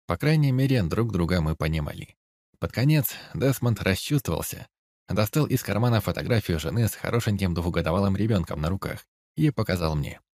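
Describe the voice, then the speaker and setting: A man narrating a first-person novel in a steady, even storytelling manner. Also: sits low, a little fast, no echo, clean studio sound. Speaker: audiobook narrator.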